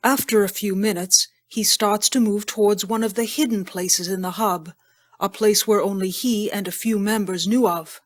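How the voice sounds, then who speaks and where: A woman narrates an audio drama. Her voice sits at a medium pitch. She reads scene headings and actions from a script. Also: steady tone, normal speed.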